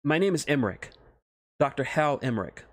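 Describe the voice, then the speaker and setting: Man doing an eager, nerdy, higher-pitched scientist. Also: sing-song, brisk, no echo, studio quality. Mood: polite, eager. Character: polite, nerdy, eager male scientist in glasses.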